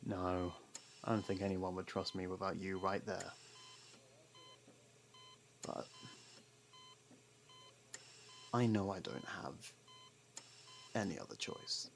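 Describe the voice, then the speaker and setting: Man acting a deep gravelly, guarded jailbird. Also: fairly even intonation, measured pace, long pauses, slight background noise. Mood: guarded, concerned. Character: sardonic, guarded jailbird man, reluctantly worried about partner. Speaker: ASMR roleplay voice actor. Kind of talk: ASMR roleplay, intimate dramatic monologue.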